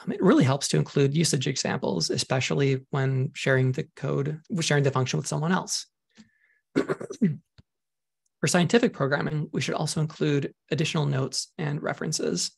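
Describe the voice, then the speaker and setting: Guy giving a coding webinar, gravelly husky voice, kinda losing it, lots of ums. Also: fairly high pitch, steady tone. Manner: measured, with frequent ums. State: losing his voice, clearing throat. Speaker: webinar presenter. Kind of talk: slide lecture on programming.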